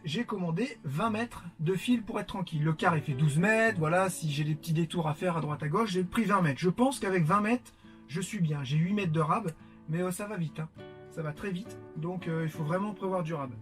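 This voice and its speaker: Man, high-pitched, casual unboxing chat, filler-heavy, faint guitar music. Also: moderate pace. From France. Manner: chatty, many fillers, warm greetings to viewers. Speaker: vlogger.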